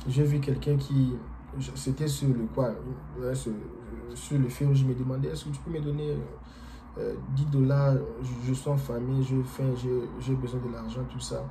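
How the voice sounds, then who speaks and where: A man's voice: medium pitch, level tone, moderate pace, noisy background. A man from DR Congo whose first language is not French, giving a casual explanatory vlog monologue and talking hesitantly, with many fillers and repeated words. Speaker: vlogger.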